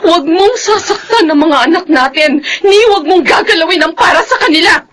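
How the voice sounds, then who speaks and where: A woman's voice: very high voice, a little fast, a bit bright. An actress playing a long-suffering wife who firmly defends her children's money from her husband. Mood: defiant. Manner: firm, defiant.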